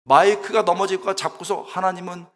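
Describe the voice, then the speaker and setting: A middle-aged man preaching a sermon, telling funny stories in an animated, exclamatory way and acting out the people in them. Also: fairly high pitch, a little fast. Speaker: guest preacher, preaching professor. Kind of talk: sermon with humorous storytelling. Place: church sanctuary. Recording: long church reverb.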